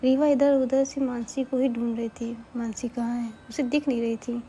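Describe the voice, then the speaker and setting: Woman storyteller, high voice, kinda flat, chatty asides, bit of hiss. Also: moderate pace. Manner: chatty asides to listeners, self-corrections. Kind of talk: casual spoken storytelling.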